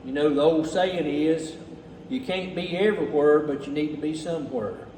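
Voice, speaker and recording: A man with a Southern US accent and a slightly high voice speaks in a plain, folksy manner. His delivery is casual and unscripted, as if explaining things to viewers. The recording is strongly echoey, with faint noise behind him. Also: normal speed, a little mellow. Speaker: relief effort organizer presenting donations. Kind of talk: casual unscripted talk to camera. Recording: echoey, distant mic, faint background noise.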